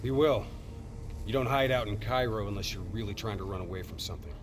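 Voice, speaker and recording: A man's voice: on the low side, fast, background noise, natural voice. An actor playing a blunt, sarcastic male special-ops soldier in a video game cutscene. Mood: dry. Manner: gruff and sarcastic.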